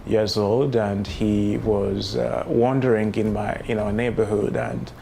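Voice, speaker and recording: A man's voice: fairly low pitch, level tone, creaky, dark tone, slight background noise. Reflective man from Rwanda in his thirties. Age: 30s. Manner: reflective, unhurried, with many fillers. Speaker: memoir writer telling his life story. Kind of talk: personal testimony. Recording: music playing underneath.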